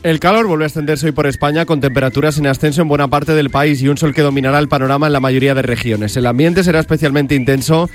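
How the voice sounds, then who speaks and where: A man reads a scripted radio weather forecast at a brisk pace, his voice a little higher than average. Light music plays faintly beneath him. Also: fairly even intonation. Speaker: weather reader.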